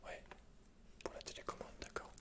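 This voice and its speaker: In a close-miked ASMR roleplay, a young man takes on the part of a shopkeeper. He sounds tentative and halting, keeping everything understated.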